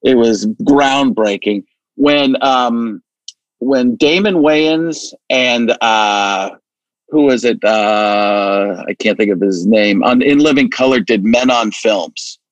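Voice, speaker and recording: Guy hosting a podcast, rambles and restarts, mid pitch, dry close sound. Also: slow, dry recording, muffled recording. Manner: rambling, animated storytelling with restarts. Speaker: podcast host. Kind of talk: casual chat.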